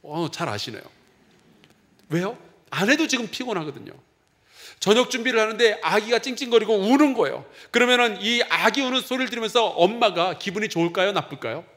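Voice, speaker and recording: A male pastor delivers a Sunday sermon in a high, lively voice that rises and falls a great deal. He talks with his congregation rather than at them, often putting questions to them. He sounds middle-aged. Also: a little fast. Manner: conversational preaching with questions to the congregation.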